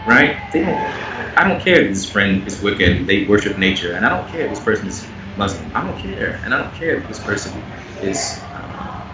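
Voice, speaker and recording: Interview guest: earnest man with a low voice, recorded far off the mic in an echoey space. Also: brisk. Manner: earnest, animated, rising in pitch when making a point. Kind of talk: candid conversational interview. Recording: echoey, muffled, noisy remote audio.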